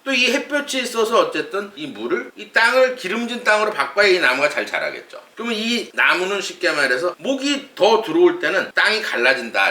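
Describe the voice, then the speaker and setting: A man's voice: on the high side, sharp tone, recorded from a distance. A middle-aged man working as a saju fortune-teller, explaining readings in a chatty, lecturing way with many restarts. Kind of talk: casual explanatory monologue. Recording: echoey room, voice a bit off-mic.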